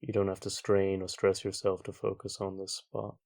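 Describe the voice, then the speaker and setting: A man leading a guided meditation as a teacher, speaking in a calm, gentle, unhurried way with long pauses between phrases. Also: sits low, gravelly.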